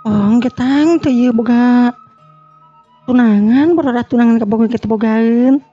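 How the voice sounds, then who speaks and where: A man voicing a coy, slightly petulant young married woman with a Sundanese accent and drawn-out delivery. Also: extremely high pitch, warm tone, pitched above the performer's own voice. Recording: muffled recording with music underneath.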